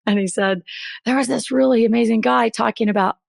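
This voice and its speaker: A middle-aged woman hosting a podcast with a hoarse voice that is still recovering, chatting in an upbeat way. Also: a little high, fairly even intonation, brisk, dry recording, clean studio sound. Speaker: podcast host. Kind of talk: podcast intro, casual chat.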